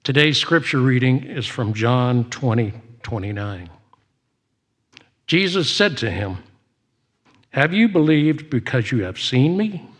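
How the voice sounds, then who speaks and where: Slow-paced man leading a church service. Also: medium pitch. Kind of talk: church announcements and devotional reading.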